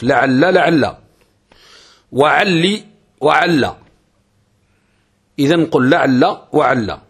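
A sheikh teaches Arabic grammar in a mid-range, slightly rough male voice. He explains step by step, poses questions to himself before answering them, and slowly chants verse.

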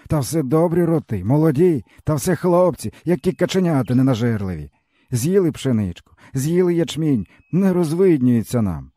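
A man performing a worn-out, starving old peasant, his voice pitched up high and lamenting in a sighing, plaintive drawl. The pitch swings widely through each complaint, with a mellow tone and a dry, close sound. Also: dry recording. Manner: plaintive, sighing, folksy rural speech. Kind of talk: audiobook character voice.

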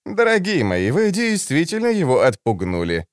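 A man's voice: a little high, huge pitch swings, normal speed, no room sound, clean studio sound, voice pushed up. A man reading an audiobook, voicing a smug, theatrical grown man with a grandiose, mock-dramatic manner.

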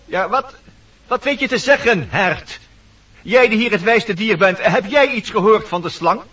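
A man's voice: high-pitched, animated, a little slow, sharp tone, breathy edge, exaggerated voice. A man voicing a talkative, fussy woodpecker who narrates theatrically in a radio play. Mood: brisk, confident. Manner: theatrical, addressing audience, fussy. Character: talkative, lively woodpecker, protective leader and narrator. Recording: dull, distant vintage radio recording.

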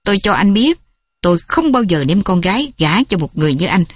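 A woman's voice: lowish voice, sing-song, fairly quick, no echo, clean studio sound. A woman voicing a stern, domineering old father who scolds sharply. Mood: harsh.

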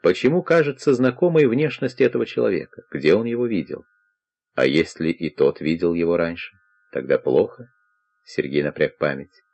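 Deep-voiced male audiobook narrator. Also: animated, fairly quick, gravelly, darkish tone, slightly rough. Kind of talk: scripted narration of a crime novel.

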